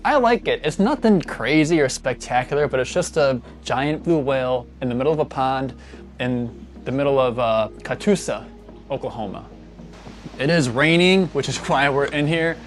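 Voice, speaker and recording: A man's voice: medium pitch, animated, moderate pace, soft background music. Rambling man vlogging a road trip. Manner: loose, rambling, chuckles often. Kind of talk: casual vlog chat.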